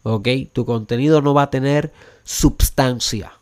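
A Puerto Rican man with a medium-pitched voice and an unhurried pace hosts a motivational podcast monologue in his Puerto Rican accent. Speaking emphatically, he builds toward urgent questions and sprinkles English words into his Spanish.

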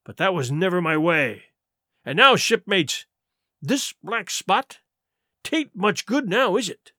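Picture a sly, forceful old ship's cook turned pirate leader, as a man reading aloud does him. He growls threats and scorn in rough sailor's speech, in a high, bright voice that leaps up and down. The sound is dry and close. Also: big pitch swings, slow pace, dry recording, exaggerated voice. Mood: scornful.

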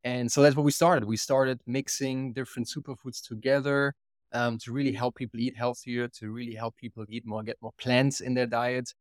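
A man with a German accent speaks as an interview guest, earnest and often restarting his sentences. His voice sits at a middling pitch. The sound is dry and close, with no room echo. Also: flat delivery, normal speed. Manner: earnest, many restarts and repeated words. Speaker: guest, company co-founder and CEO. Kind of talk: casual interview chat.

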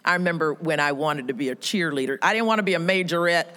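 A woman giving an emphatic motivational speech, telling stories with lively quoted voices. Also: low voice, fast. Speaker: speaker at a women's event. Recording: reverberant hall.

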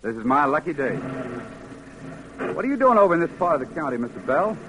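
A man's voice: a little high, sing-song, fast, background noise. A young man with a Southern accent narrating and playing a Navy veteran coming home in a 1940s radio drama, earnest and plain-spoken.

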